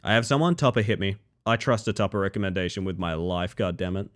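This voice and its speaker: A man's voice: low-pitched, fast talker. A male streamer at the end of a long session, chatting casually with viewers in a sleepy, crackly voice. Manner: friendly, rambling, thanks viewers. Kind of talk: casual stream sign-off chat.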